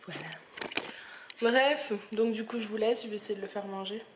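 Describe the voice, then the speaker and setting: A woman's voice: medium pitch, normal speed, a little hiss or hum. A woman, a mother, casually narrating her day at home to the camera in a family vlog.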